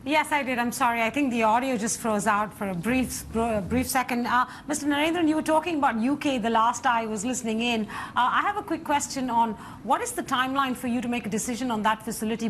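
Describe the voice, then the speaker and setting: A woman's voice: on the high side, fast, slight background noise. A woman journalist putting formal business questions to an interviewee.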